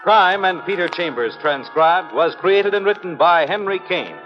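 A man announcing closing credits in formal 1950s radio style, his pitch rising and falling a lot. The sound is a dull old transcription with faint music under him. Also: lively intonation, moderate pace.

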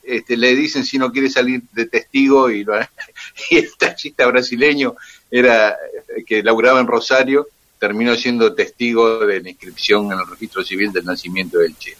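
A man's voice: mid-range voice, moderate pace. A man with an Argentine accent, a radio guest telling history in detail with frequent fillers. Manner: detailed, steady, with "eh" and "este" fillers. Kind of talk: storytelling on radio.

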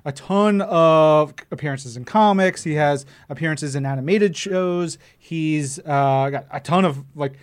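A man's voice: fairly high pitch, a little slow, few pauses. A man co-hosting a casual interview, talking like an eager, opinionated comics expert who jumps in readily. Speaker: co-host, comics professional. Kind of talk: casual fan conversation.

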